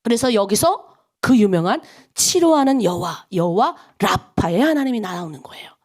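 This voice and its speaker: A middle-aged woman pastor from North Korea with a North Korean accent, preaching an early-morning prayer sermon in an animated way and acting out the voices of people in her stories. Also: medium pitch, moderate pace.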